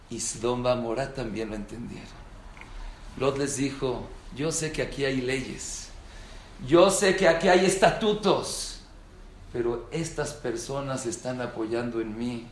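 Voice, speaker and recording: A man delivering a Jewish sermon, telling stories with sudden loud bursts of emphasis and lively shifts in his voice. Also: mid-range voice, measured pace. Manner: animated storytelling with sudden loud emphatic peaks. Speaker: rabbi. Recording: echoey room with faint background hiss.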